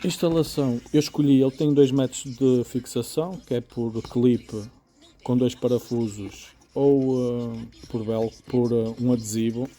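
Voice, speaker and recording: A man with a European Portuguese accent talks through a product demonstration in an informal, explanatory way. His voice is very mellow and dark, sitting at an average male pitch. He sounds like an everyday reviewer checking that the listener follows. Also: fairly even intonation, a little slow. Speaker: motorcycle gear reviewer.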